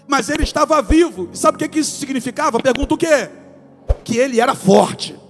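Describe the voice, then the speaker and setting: A man in his forties, a pastor with a Brazilian accent from Rio de Janeiro state, preaching an animated sermon in a church, moving between soft asides and loud exclamations. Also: very high-pitched, brisk, in a large hall, faint music behind. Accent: Brazilian Portuguese, Rio de Janeiro state. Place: church sanctuary.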